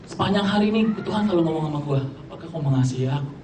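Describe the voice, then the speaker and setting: A man's voice: fairly high pitch, lively intonation, racing, darkish tone, slight background noise. A young man preaching a casual sermon, mixing slang and English and joking with his audience. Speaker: youth preacher. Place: church hall. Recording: echoey hall, distant mic, faint ambience.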